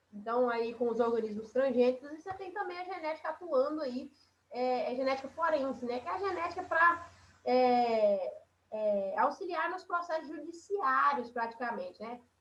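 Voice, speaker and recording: Speaking at a moderate pace, a woman uses a high pitch and lively intonation, with big swings in loudness. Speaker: teacher. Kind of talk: online class lecture.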